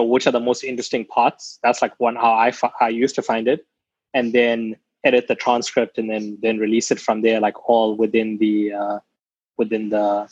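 A man's voice: medium pitch, a little mellow, husky, no room sound. A man speaking with a foreign accent on a podcast, hesitant, with many fillers. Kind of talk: casual podcast chat. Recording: dull lo-fi mic.

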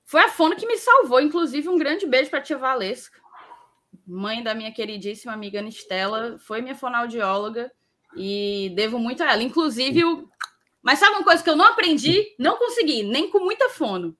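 A woman's voice: high-pitched, animated, a little fast, a bit bright. A woman with a Ceará accent from Northeastern Brazil and a slight lisp on her s sounds, chatting casually as a host reading viewer messages and repeating phrases for emphasis.

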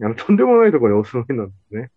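A man from Ibaraki with a thick local accent hosts a casual podcast, joking and laughing often. His voice is husky and lively, and he talks at a rapid clip. The recording is dry and a little dull. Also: mid-range voice, no echo. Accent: Ibaraki dialect. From Ibaraki, Japan. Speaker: podcast host.

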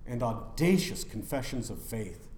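A male pastor delivering an animated, emphatic sermon. His words swing between loud declarations and sudden quiet drops, with a roomy church echo around him. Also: mid-range voice, a little slow.

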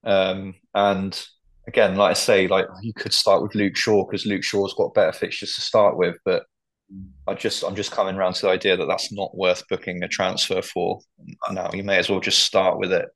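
Podcast co-host, male, low flat voice, rambly and hesitant. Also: moderate pace. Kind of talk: casual football chat.

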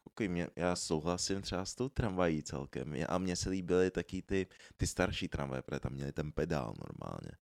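A man chats casually with friends, his speech rambling and full of slang and stray English phrases. His voice sits very low. The sound is close and dry. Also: lively intonation, vocal fry, few pauses, no echo. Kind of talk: casual chat among friends.

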